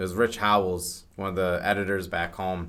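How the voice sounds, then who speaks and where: Moderately paced speech with audible room echo. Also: man. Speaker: metal band member. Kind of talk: casual chat. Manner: halting.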